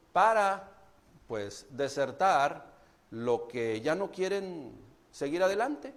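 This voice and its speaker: A man with a Mexican Spanish accent preaching a sermon as pastor, speaking straight to the congregation. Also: sits high. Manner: preaching, addresses the congregation directly.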